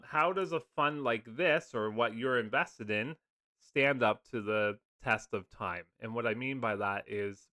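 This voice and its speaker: A man's voice: lowish voice, sharp tone, dry recording, clean studio sound. A man, just over a cold, casually explaining funds in a loose, chatty video talk full of fillers. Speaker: finance video host. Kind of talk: casual screen-share explainer.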